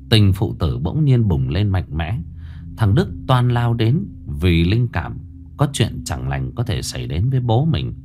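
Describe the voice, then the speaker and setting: A man's voice: low voice, mellow, a little hiss or hum. A man narrating a horror story in a dramatic, ominous scripted reading.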